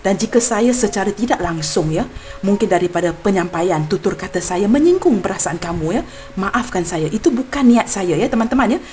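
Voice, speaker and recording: Here the young tarot reader sounds animated and fairly quick, her pitch sitting at medium. She's from Malaysia, speaks with a Malaysian Malay accent, and gives viewers a general reading in an earnest, apologetic way, addressing them warmly like friends.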